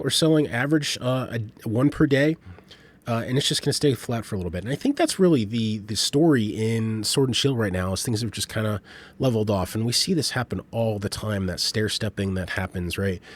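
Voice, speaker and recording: A man with a fairly low voice, slightly off from a bout of flu. He gives casual market commentary as a channel host. His delivery is informal and rambling, often halting and circling back. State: getting over flu, slightly off, sick-sounding voice.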